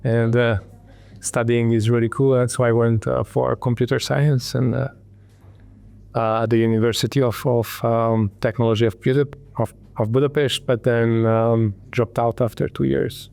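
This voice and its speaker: A man from Hungary in his thirties, a tech entrepreneur telling his story in an interview, halting with many ums and restarts. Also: medium pitch, little pitch movement, gravelly, a little mellow, clear, resonant tone.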